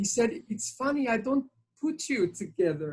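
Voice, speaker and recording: Somewhat breathy, a woman speaks in a fairly high pitch. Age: 60s. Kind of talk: personal testimony.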